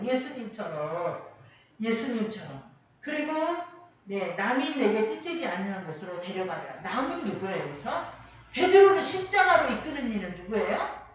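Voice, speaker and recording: A woman preacher giving a Sunday sermon, emphatic, repeating key lines for weight. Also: medium pitch. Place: church sanctuary. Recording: echoey hall, distant mic, faint noise.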